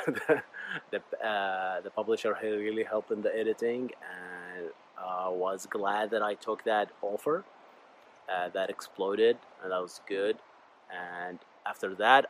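A man's voice: fairly low pitch, fairly even intonation, unhurried, a little hiss or hum, rough recording. A man whose first language is Arabic, speaking English in a casual, earnest, rambling motivational monologue to his viewers. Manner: rambling, earnest, often addresses listeners as "guys". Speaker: YouTuber and podcast host.

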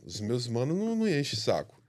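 A man's voice: medium pitch, huge pitch swings, fast, darkish tone. A young Brazilian man, a bodybuilder guest on a podcast, telling heartfelt stories in casual slang. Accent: Brazilian Portuguese.

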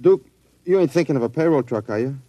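An actor playing a nervous small-time crook who stammers and hurries to please, in a vintage radio drama. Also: male voice, mid-range voice, animated, quick pace, mellow, no room sound, natural voice. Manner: stammering, jittery. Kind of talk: 1940s radio acting.

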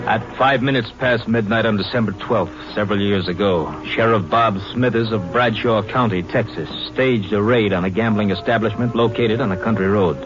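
Male narrator for vintage radio drama, lowish and solemn, muffled sound with loud music underneath. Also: moderate pace, few pauses. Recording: dull old radio recording, loud music behind.

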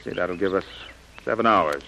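Brisk male expedition commander, crisp and commanding, over a faint hiss. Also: low-pitched. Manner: crisp, commanding, giving orders. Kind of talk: 1930s radio drama acting.

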